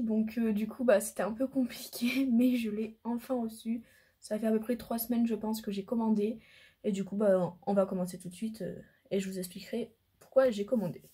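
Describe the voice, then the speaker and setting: A woman's voice: a little high, mellow, slightly rough. A woman chatting casually in a makeup vlog at home, rambling with lots of fillers as she swatches products. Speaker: beauty vlogger. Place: home room by a window. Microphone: camera mic.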